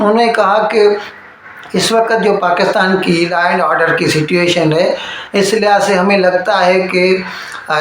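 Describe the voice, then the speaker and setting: A man's voice: high-pitched, fairly bright tone. A man with a South Asian accent giving news commentary, explaining conversationally to viewers and mixing in English terms. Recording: very echoey room, faint background noise.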